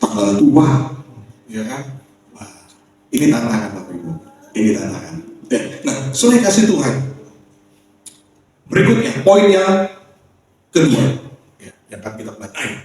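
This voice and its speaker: A man's voice: mid-range voice, moderate pace, pauses often. Man preaching in a very echoey church. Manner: chatty, joking, lively storytelling with asides to the congregation. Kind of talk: sermon with personal stories. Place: church sanctuary. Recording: very echoey church hall, voice from far off.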